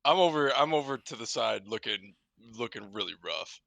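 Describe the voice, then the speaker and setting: A male tabletop player whose gravelly, bright voice swings widely in pitch. He hesitates with fillers between thoughts, recorded dry and close. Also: expressive, normal speed, dry recording. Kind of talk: casual tabletop role-play over voice chat.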